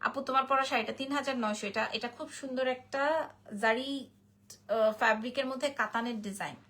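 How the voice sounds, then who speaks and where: Her voice a little high, a little fast, and a bit bright, a sleepy woman with a Bangladeshi Bengali accent sells jewelry online via live stream. She chats through the pitch, reading out viewers' comments and restating the prices.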